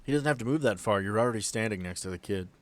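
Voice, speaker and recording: A man with a fairly low voice works as game master, narrating a tabletop adventure in a conversational, off-the-cuff style. The sound is dry and close, with little room in it. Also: animated, rapid-fire, no room sound. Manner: improvised, conversational storytelling.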